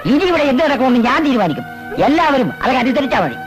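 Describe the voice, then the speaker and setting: A man's voice: very high-pitched, big pitch swings, quick pace, over loud music. An older actor playing a proud, scheming retired astrologer father in a domineering, blustering manner. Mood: stern. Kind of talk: 1990s Malayalam film dialogue.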